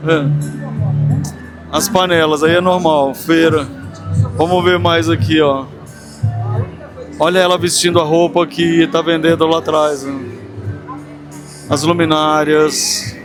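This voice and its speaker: Over music and the clear background noise of a busy, large craft fair, a Brazilian vlogger hosts a casual walking vlog. His voice is on the high side with little pitch movement, and he takes it slowly with long pauses while speaking effusively straight to his viewers.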